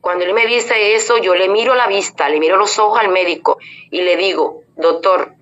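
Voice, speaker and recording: A woman's voice: medium pitch, normal speed, a bit bright. A woman giving an earnest spoken religious testimony, addressing her listeners as brothers and sisters and retelling conversations in quoted speech. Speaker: church member giving testimony. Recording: dull lo-fi audio with faint noise.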